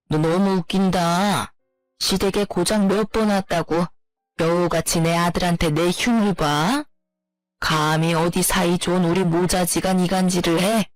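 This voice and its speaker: A woman's voice: on the low side, no room sound, voice pushed down, lightly acted. A woman doing a scolding older mother-in-law. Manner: sharp, scolding, belittling. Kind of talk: storytelling narration.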